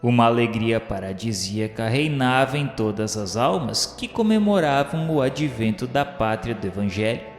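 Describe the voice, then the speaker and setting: A man's voice: medium pitch, lively intonation, normal speed. A man narrating a scripted religious radio drama in a solemn, reverent, declamatory literary style. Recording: echoey hall-like reverb with music. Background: music.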